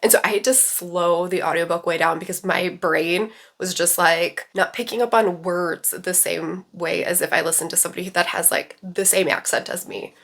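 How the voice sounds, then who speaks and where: A woman's voice: on the low side, steady tone, moderate pace, creaky, few pauses, a bit bright. Congested chatty woman book vlogger. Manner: chatty, rambling, many "like" fillers. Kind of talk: casual vlog chat.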